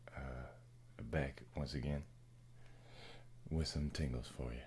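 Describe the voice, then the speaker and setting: A man speaks very slowly and softly, his pitch very deep and low. His intonation is monotone and flat, with vocal fry. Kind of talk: casual talk to camera. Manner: soft-spoken.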